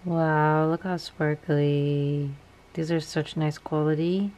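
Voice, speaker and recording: A woman's voice: low-pitched, steady tone, slow, darkish tone. A young woman in her twenties chatting casually to camera in a small bedroom, with wry, self-mocking asides. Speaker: lifestyle vlogger. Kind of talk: casual vlog chat to camera.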